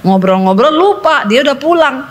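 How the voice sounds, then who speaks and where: A middle-aged woman pastor, preaching a sermon and telling a story, acting out the voices in it. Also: normal speed. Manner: lively storytelling, acting out dialogue with pitch jumps.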